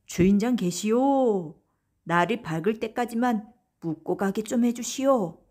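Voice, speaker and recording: Wronged salt merchant played by a female narrator, raised pitch, theatrical old-time speech, cunning and vengeful, storybook style. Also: a little slow, a little mellow. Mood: polite request. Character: wronged male salt merchant, vengeful, slyly feigning fright.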